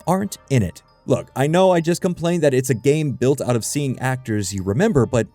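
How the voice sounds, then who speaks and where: A man's voice: medium pitch, animated, fairly quick, warm tone, no room sound. A man narrating a scripted video essay in a wry, conversational way, with dryly humorous asides. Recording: music bed under the voice. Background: background music.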